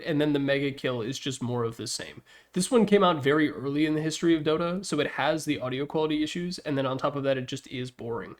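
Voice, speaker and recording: Young man, slightly high voice, informal, slangy, joking, opinionated gaming commentary. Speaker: video game commentator.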